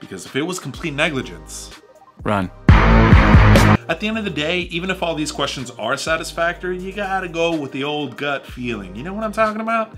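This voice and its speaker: A man's voice: on the high side, brisk, over loud music. A man in his thirties, a home renovation vlogger, giving jokey scripted advice to camera from a small home studio. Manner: animated, jokey, gestures widely with his hands.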